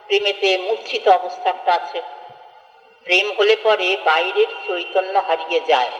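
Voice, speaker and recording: A woman from West Bengal giving a devotional scripture discourse, explaining earnestly and chanting verses slowly. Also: mid-range voice. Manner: earnest expository, with slow chanted verse recitation. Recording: echoey hall, dull lo-fi, faint music.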